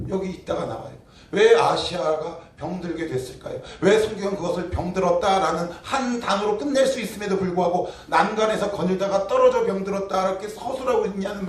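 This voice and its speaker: A man preaching a sermon as pastor, asking his congregation rhetorical questions with emphatic delivery. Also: fairly high pitch. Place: church sanctuary. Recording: roomy church echo, distant mic.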